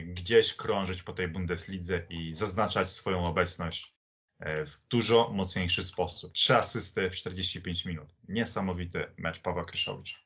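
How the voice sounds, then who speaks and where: A man giving his opinions in a football discussion, emphatic and halting, repeating phrases for weight. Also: deep voice, bright, forceful tone, lo-fi sound. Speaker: podcast guest, football pundit.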